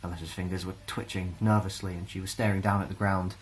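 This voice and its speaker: Low-voiced Scottish male storyteller. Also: flat delivery, fast, slight background noise, poor audio. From Scotland. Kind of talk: reading a children's fantasy story aloud.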